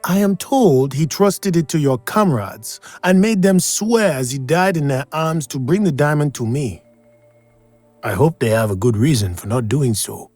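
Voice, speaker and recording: An actor voicing a solemn, resolute revolutionary leader in a video game, speaking in a formal, earnest, measured way. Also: male voice, a little high, animated, darkish tone, no room sound, faint music behind. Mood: grave, concerned. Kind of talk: scripted game dialogue.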